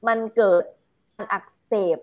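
A woman explaining ideas in a relaxed, casual chat, mixing in English terms and filler sounds. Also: slow pace, highs cut off.

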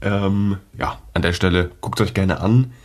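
A man's voice: deep voice, measured pace. A teenage boy hosting his own podcast, talking in a rambling, slangy, casual way while sick with a cold and coughing now and then, close to his microphone. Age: teens. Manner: rambling, slangy, many fillers. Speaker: podcast host. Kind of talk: casual solo podcast chat. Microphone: close podcast mic.

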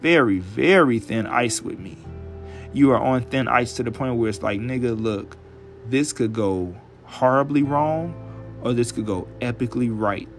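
A male podcast host talking alone in a casual, chatty way, blunt and profane, his voice hoarse and raspy from a dry throat. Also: mid-range voice, normal speed, soft background music. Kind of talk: casual solo podcast monologue.

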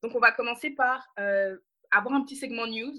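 A woman's voice: a little high, a little fast, pushed and bright. A young woman from France co-hosting a podcast, explaining things casually with lots of fillers and slang. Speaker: podcast co-host. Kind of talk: casual chat.

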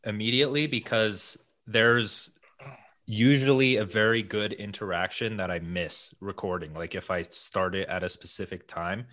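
A man with a very low, bright and forceful voice hosts a podcast from home over a video call. He talks in a loose, rambling way and swears often. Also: steady tone, moderate pace, hardly any pauses. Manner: casual, swears freely, rambling. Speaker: podcast host. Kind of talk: casual chat. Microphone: headset-style headphone mic over video call.

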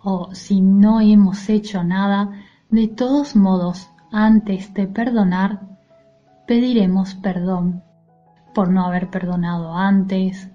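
A woman leading a guided mindfulness meditation in a soothing, gentle, soft-spoken manner. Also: medium pitch, fairly even intonation, slow, highs cut off. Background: music.

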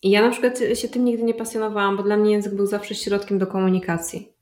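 A woman talks through ideas in a relaxed interview, explaining patiently and pausing on fillers as she thinks. Her voice sits at an ordinary mid pitch. The sound carries a noticeable room echo. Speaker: polyglot guest. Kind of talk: casual interview conversation.

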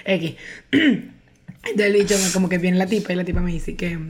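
A young woman with a Caracas accent, telling stories in a casual chat with a friend, animated and full of slang. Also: lowish voice, moderate pace. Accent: Caracas Spanish. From Venezuela.

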